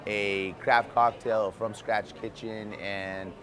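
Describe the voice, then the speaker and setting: A man's voice: on the low side, level tone, takes it slowly, a bit bright. A man speaking casually and informally as a restaurant chef explaining his work. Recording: clear background noise.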